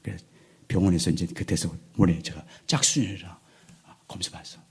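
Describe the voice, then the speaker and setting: In a church sanctuary, a pastor in his sixties preaches a sermon, shifting between loud, emphatic lines and hushed, almost whispered ones. His voice is deep and husky, and he speaks fairly quickly.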